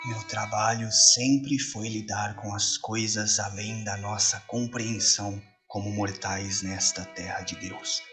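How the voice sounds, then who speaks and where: A man playing a troubled but resolute priest in an audio drama, solemn and measured, with a Brazilian accent. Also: lowish voice, fairly even intonation, music in the background. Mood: solemn unease. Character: troubled, resolute priest who studies demons. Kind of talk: audio drama trailer monologue. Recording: loud musical score underneath.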